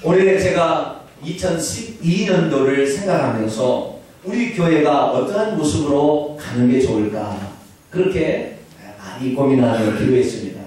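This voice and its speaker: Brief: male pastor's sermon, slightly high, animated delivery, booming church echo. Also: unhurried. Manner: animated preaching with rising emphatic calls. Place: church sanctuary. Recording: echoey church hall, distant mic.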